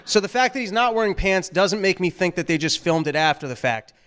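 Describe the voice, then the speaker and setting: A man's voice: high-pitched, animated, fairly quick, fairly bright tone, in a large hall. A man co-hosting a casual commentary chat, talking things through in a wry, analytical way. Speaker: podcast co-host.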